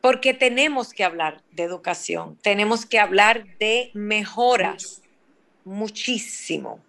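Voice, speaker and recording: A woman's voice: medium pitch, animated, unhurried, creaky. Emphatic Dominican woman radio host. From Dominican Republic. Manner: warm, emphatic, repeats key words for listeners. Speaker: radio host and family therapist. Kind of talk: radio talk show interview.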